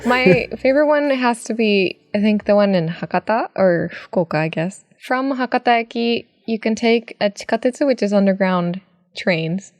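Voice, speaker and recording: Podcast co-host, woman, mid-pitch, giggly, bilingual, dry close recording. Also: lively intonation, moderate pace, no echo. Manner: bilingual, drops into Japanese words, giggly. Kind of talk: casual chat.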